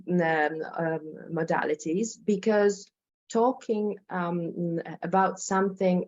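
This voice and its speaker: A woman's voice: lowish voice, a little mellow. Polish-accented woman presenting, dull lo-fi audio. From Poland. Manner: hesitant, repeats words, tags sentences with "right?". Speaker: hypnotherapist presenting. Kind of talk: informal online presentation.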